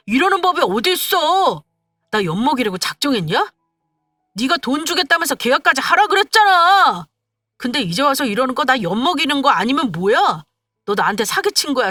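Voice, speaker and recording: A woman voicing an angry, demanding young man who accuses his fiancée and shouts at her, in a spoken story. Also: fairly high pitch, dry recording.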